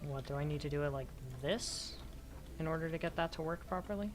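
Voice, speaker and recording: A hoarse young woman streaming a game, rambling casually and talking to herself as she plays. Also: deep voice, a little fast, over music. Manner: rambling, talks to herself while playing. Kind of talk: casual gameplay commentary.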